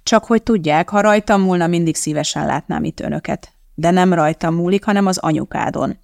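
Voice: medium pitch, vocal fry, a little mellow, no room sound, clean studio sound, lightly acted. A narrator doing a genial male TV producer. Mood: polite placating. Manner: polite, placating. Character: genial, diplomatic middle-aged male TV producer.

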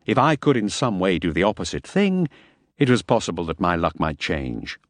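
A man reading a first-person novel aloud as an audiobook narrator, measured and wry. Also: low voice, sing-song, dry recording.

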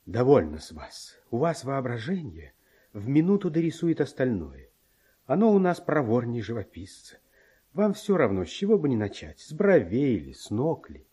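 An actor playing a long-suffering, mocking manservant in a classic verse radio drama, full of muttered asides. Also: male voice, mid-range voice, wildly swooping pitch, normal speed, dark tone, breathy edge. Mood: wry, teasing. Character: grumbling, sardonic manservant of a nobleman, long-suffering.

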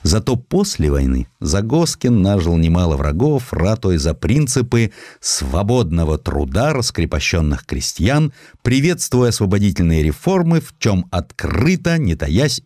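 A man narrating historical essays from a script in an expressive storytelling way, with ironic, conversational asides. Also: sits low, a little slow, no echo, studio quality. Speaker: audiobook narrator. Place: studio.

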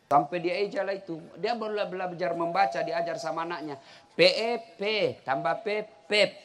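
A middle-aged male preacher, giving a humorous religious lecture and telling stories with shouts and laughter. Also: high-pitched, fairly quick, a crowd in the background. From South Sulawesi. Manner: animated storytelling, bursts into shouts and laughter.

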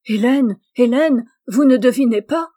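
A woman reading aloud and voicing a bluff, hearty male farmer who talks in gruff exclamations. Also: on the high side, measured pace, warm tone.

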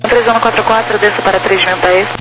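A woman working as an approach air traffic controller, giving procedural instructions to pilots over the radio in a flat delivery. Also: medium pitch, brisk. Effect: aviation radio transmission. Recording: noisy aviation radio.

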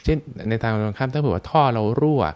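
A man's voice: medium pitch, fast talker, darkish tone, smooth. A man, a monk, explaining teachings on a radio show through everyday examples in an informal way. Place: radio studio.

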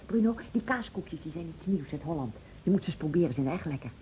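An actress in a radio drama playing a chic wife, a breezy hostess who gets defensive when cornered. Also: female voice, deep voice, lively intonation, fast, mellow. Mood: light, slightly irritated. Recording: dull, noisy old radio play recording.

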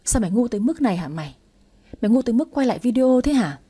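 A woman's voice: a little high, very animated, quick pace, warm tone, slightly rough. A woman voicing an angry middle-aged mother who scolds her grown daughter harshly. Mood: scolding.

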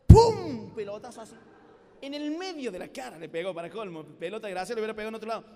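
A man with a Rioplatense Spanish accent preaches a lively youth sermon. He tells stories and acts out every voice in them. His voice sits high, and a long reverb from the large hall trails after each phrase. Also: racing, a little hiss or hum. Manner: animated storytelling with acted-out voices.

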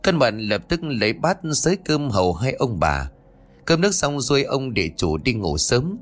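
A man's voice: mid-range voice, very animated, normal speed. A man narrating a ghost story in a dramatic storytelling manner.

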